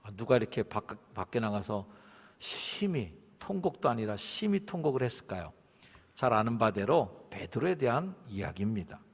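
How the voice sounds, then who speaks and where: A man preaching a Sunday sermon as senior pastor, in an expressive preaching manner. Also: lowish voice, normal speed, breathy edge. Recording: long church hall reverb.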